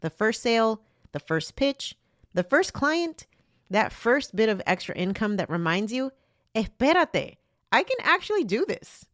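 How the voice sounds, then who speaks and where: A woman's voice: a little high, very animated, takes it slowly, a bit bright, dry recording, studio quality. A woman, a podcast host, reading a scripted ad that switches between English and Spanish.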